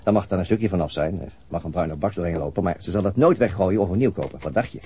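A man's voice: low voice, animated, fast talker, warm tone, slight background noise. An actor playing a weary middle-aged detective and father, laconic and dryly sardonic, in a naturalistic radio play. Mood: wry, teasing.

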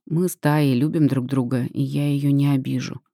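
A woman reading an audiobook, voicing a calm young man who speaks in a level, composed way. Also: very deep voice, moderate pace, gravelly, no echo, clean studio sound, pitched below the performer's own voice, full character voice. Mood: calm firm.

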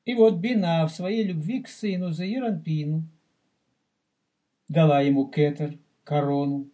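In a recorded religious lecture, a rabbi teaches deliberately, speaking straight to the listener and explaining terms, repeating them for emphasis. His voice is fairly high in pitch with a dark tone.

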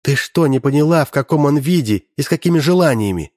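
A man's voice: fairly high pitch, lively intonation, fast talker, darkish tone, no room sound, voice pushed up. Stern protective young woman, put on by a male reader, firm, dry close sound. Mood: reproachful. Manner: stern, urgent.

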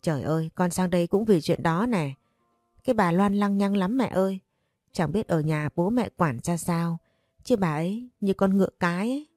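A woman's voice: fairly low pitch, darkish tone, no echo, soft background music, close to an everyday voice. A woman voicing a grown daughter who gossips bluntly and indignantly. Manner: blunt, fast and scolding.

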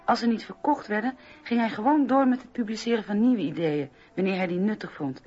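A woman playing a loyal, admiring eighteenth-century friend, reading earnestly and in a measured way in a radio documentary drama. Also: medium pitch, a little mellow, dull audio, lightly acted. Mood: earnest admiration. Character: Amélie Suard, loyal admiring 18th-century female friend.

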